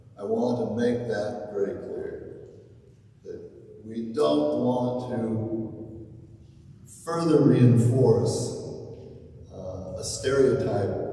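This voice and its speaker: A man speaks at a very slow pace with long, frequent pauses. Strong room echo and light background noise fill the recording. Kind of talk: sermon. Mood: earnest, serious. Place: church.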